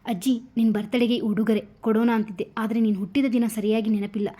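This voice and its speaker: A woman doing a pouty lively young woman. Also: a little high, fast talker, natural voice. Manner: pouting, lively. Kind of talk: storybook narration.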